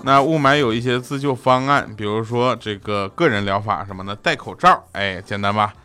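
A man hosting a comedy show, delivering jokes and short anecdotes in a playful, quick style with pauses before punchlines. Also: fairly low pitch. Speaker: radio comedy host. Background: background music.

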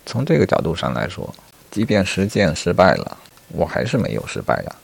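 A man's voice: deep voice, very animated, fairly quick, creaky, slightly rough, exaggerated voice. A man telling a story and voicing a talkative male rabbit who reasons earnestly about the meaning of his life before death. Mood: earnest musing.

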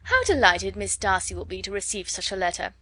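A woman voicing a flattering young society lady who gushes with eager praise. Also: mid-range voice, fairly quick, no echo. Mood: gushing. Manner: gushing, fawning praise.

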